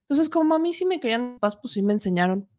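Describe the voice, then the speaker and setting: A woman's voice: on the high side, sing-song, rapid-fire, a little mellow. A woman in her thirties with a Mexican accent hosts a political talk show in a chatty, joking way, still getting over a cough from allergies. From Puebla, Mexico. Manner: chatty and joking, with asides to the producer. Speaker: political commentary host.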